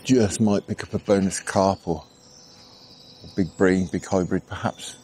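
A man's voice: deep voice, fairly even intonation, a little slow, a little mellow, slight background noise. A middle-aged man from England chatting casually while fishing outdoors on a canal bank at dawn, thinking aloud with easy fillers. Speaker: angling vlogger. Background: birdsong and insects.

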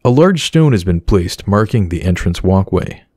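A man narrating an exploration of an abandoned house in a calm, measured, scripted voice-over. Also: low voice, no room sound.

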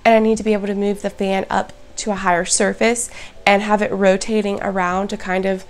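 A woman chatting casually to her viewers in a plant vlog, her voice hoarse and raspy. She is upbeat and talks to the audience directly. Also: medium pitch, flat delivery, brisk. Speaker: plant vlogger. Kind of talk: casual show-and-tell vlog.

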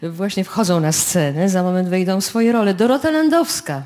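A woman's voice: mid-range voice, normal speed, a little mellow. A woman radio host introducing a live radio play from the stage to a studio audience.

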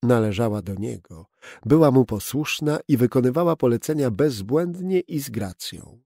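A man narrating an audiobook in a steady, expressive storytelling manner, recorded close up in a studio booth. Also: medium pitch, normal speed, no echo. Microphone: close studio mic.

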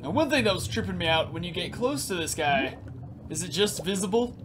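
A young man in his twenties doing energetic, crude gameplay commentary in a small room, his voice raspy because he just woke up. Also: high voice, fairly quick, background noise. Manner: energetic, crude, rambling with lots of "like". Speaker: gaming YouTuber. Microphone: headset.

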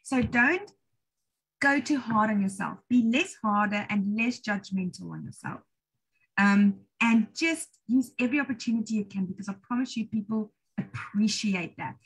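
A woman's voice: medium pitch, moderate pace, husky, low-quality recording. A middle-aged South African woman, an English trainer, answering questions on a video call in a chatty, encouraging way. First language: English or Afrikaans. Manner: chatty, encouraging, self-deprecating. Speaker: IELTS trainer hosting a webinar. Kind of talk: webinar Q&A answers. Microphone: laptop video call.

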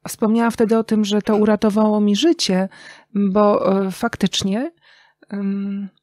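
Female interview guest, medium pitch, reflective and halting, pauses between phrases, close dry sound. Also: little pitch movement, a little mellow, no room sound. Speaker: interview guest, writer and radio journalist.

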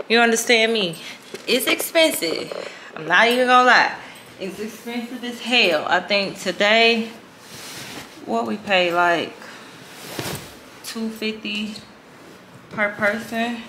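A woman talks straight to her viewers in a loose, candid vlog, cursing freely as she chats. Her voice bounces around a roomy space, with steady noise underneath. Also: medium pitch. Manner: chatty, candid, swears freely. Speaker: vlogger. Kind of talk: casual vlog chat. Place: hotel room.

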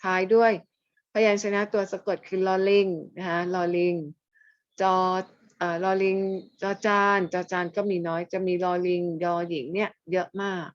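A woman teaching a language lesson over a video call, asking questions, chiding quiet students and then answering her own questions. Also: on the low side, steady tone, normal speed, clean tone, no echo. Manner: chiding students who stay silent, asking questions and answering them herself. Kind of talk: online class lecture. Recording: dull lo-fi dry audio.

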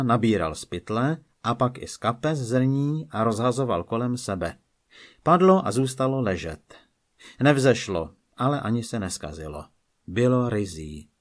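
Measured storyteller for folk legends, a man with a mid-pitched voice, calm reading. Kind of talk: scripted narration of folk legends.

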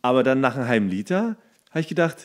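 A man's voice: medium pitch, very animated, fast talker. A man hosting a podcast, telling anecdotes in casual, colloquial, comedic chat. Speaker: podcast host.

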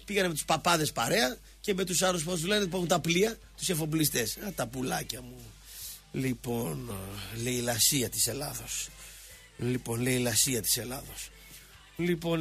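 A man's voice: sits high, fairly bright tone, husky. A middle-aged man, hosting a radio show with a sarcastic, rambling satirical rant. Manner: sarcastic, ranting, mocking voices. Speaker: radio sports show host.

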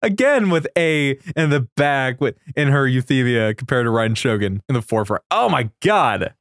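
A young man giving casual, excitable reaction commentary on game videos, slangy and sweary. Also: mid-range voice, normal speed, smooth. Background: faint music.

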